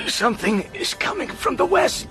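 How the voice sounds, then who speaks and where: An actor playing a wounded, dying Arab messenger who speaks in halting, breathless warnings. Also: male voice, very high voice, very animated. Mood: urgent, faltering. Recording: radio drama with music.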